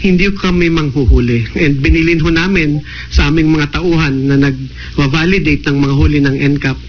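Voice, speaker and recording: Guy from the traffic agency explaining rules, kinda high voice, firm but polite, muffled radio sound. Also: normal speed. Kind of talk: press interview statement. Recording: dull off-air radio sound.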